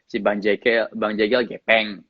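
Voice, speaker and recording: A man with a slight English accent in his Indonesian, an actor chatting casually in an interview, relaxed and often laughing. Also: fairly low pitch, measured pace, dry recording, highs cut off. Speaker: actor guest.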